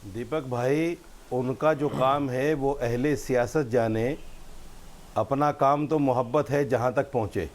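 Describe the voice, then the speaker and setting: A man's voice: mid-range voice, fairly even intonation, unhurried. A man, a Muslim cleric arguing on a TV debate panel, emphatic and preachy, repeating phrases for stress. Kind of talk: argumentative TV debate speaking.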